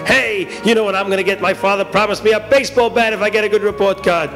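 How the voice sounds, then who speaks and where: An excitable schoolboy acted by a man in a comic story, high-voiced and boastful. He is eager and pushy, clamoring over a music backing. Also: fast talker, in a large hall. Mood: excited, boastful. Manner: yelling, eager.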